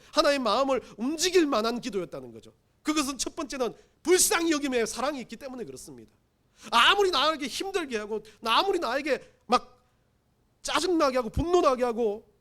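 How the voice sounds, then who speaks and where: Male pastor, very high voice, animated delivery, emphatic sermon with self-deprecating asides. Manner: emphatic, acts out pleading quotes. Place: church sanctuary.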